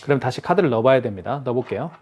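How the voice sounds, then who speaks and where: Racing along in an expressive, slightly mellow mid-range voice, a product demonstrator gives a hands-on tutorial. He explains each step patiently and repeats himself for clarity.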